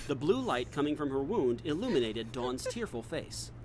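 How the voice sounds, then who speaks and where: A measured male storyteller, voiced by a man with a medium-pitched voice, delivering scripted audio drama narration. A busy din sits behind the voice. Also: very animated, a crowd in the background, natural voice. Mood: measured, descriptive.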